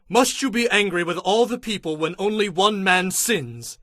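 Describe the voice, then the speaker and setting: A man's voice: sits high, moderate pace, pushed and bright, no room sound, clean studio sound. A man playing a stern, indignant Hebrew prophet and leader in a dramatized scripture, speaking in an emphatic, commanding, declamatory way. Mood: pleading.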